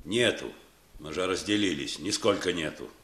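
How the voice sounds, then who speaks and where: Stubborn tight-fisted peasant, very deep voice, curt sullen refusals, echoey room, radio play. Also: male voice, normal speed, fairly bright tone. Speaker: villager at a meeting.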